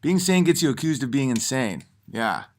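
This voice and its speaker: A man's voice: medium pitch, moderate pace. A man hosting his own stream, telling digressive stories in a rambling, off-the-cuff monologue full of fillers and restarts. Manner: animated, jumps into mock voices for punchlines.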